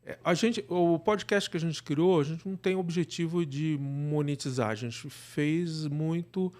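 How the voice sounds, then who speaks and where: A Brazilian man speaks as a guest in a casual interview. His voice sits a little high for a man. He explains things conversationally, often adding short tag questions to check he is followed. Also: measured pace, a little mellow. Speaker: interview guest, audio drama producer.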